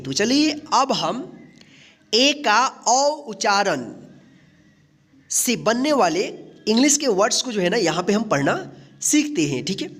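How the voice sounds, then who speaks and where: A woman teaching a phonics lesson, spelling each word letter by letter and then saying it whole, and asking the viewer questions as she goes. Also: mid-range voice. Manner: asks the viewer questions and repeats the rule. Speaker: English teacher.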